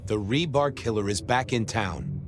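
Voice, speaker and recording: An actor playing a persistent, courteous vampire police detective in a noir video game, with colorful old-fashioned phrasing. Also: male voice, mid-range voice, normal speed, background noise, close to an everyday voice. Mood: earnest, urgent.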